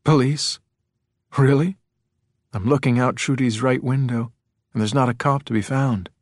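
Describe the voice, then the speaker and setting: A man's voice: medium pitch, steady tone, unhurried, no room sound, studio quality, close to an everyday voice. A man voicing a taunting male intruder in an audiobook, smug and menacing with a mockingly sweet manner. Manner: mocking, sing-song endearments. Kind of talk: audiobook villain acting.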